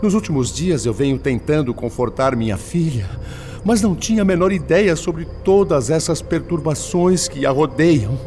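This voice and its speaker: A man's voice: fairly high pitch, animated, moderate pace, a little mellow, faint music behind, close to an everyday voice. An actor playing an older grandfather's spirit, agitated and bitter, in a radio drama. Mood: distressed.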